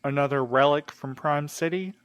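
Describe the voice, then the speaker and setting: A man's voice: on the high side, normal speed, clean tone, dull audio, lightly acted. An actor playing a hot-tempered, heartbroken man in an audio drama, blunt and exasperated in his delivery. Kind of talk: scripted audio drama acting.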